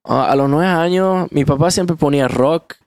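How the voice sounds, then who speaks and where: Guest, man in his 20s, native English speaker, halting casual delivery, smooth tone. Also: on the high side, a little mellow, dry recording. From Canada. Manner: hesitant, many fillers and restarts. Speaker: guest musician. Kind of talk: casual interview.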